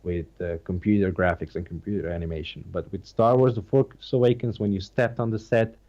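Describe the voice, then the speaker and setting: A man's voice: low-pitched, fairly even intonation, a little fast, warm tone, lo-fi sound. A man with a Slovenian accent, Slovenian his first language, talking as an actor guest in a casual interview, searching for words and restarting often. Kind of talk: casual interview over a call.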